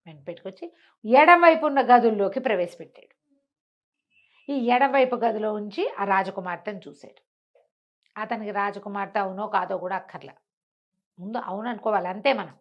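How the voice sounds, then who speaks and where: A woman with a Telugu accent telling a folk tale in an animated, conversational way, posing questions and answering them herself as a storyteller. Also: medium pitch, a little fast, long pauses, lo-fi sound.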